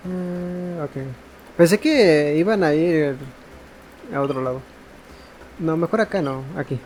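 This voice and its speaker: High-voiced Mexican man commenting on gameplay. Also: unhurried, darkish tone, a little hiss or hum, low-quality recording. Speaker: gamer narrating his playthrough. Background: game music.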